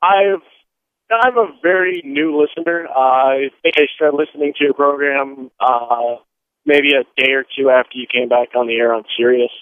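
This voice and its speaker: A male caller from Michigan phones in while driving, his voice squeezed through a thin, tinny line that keeps breaking up. He talks in halting bits, full of pauses and restarts. His voice sits at an ordinary pitch and sounds dry, with no room around it. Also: dry recording. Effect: calling on a phone while driving, line breaking up. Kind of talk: call-in radio chat. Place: in a car.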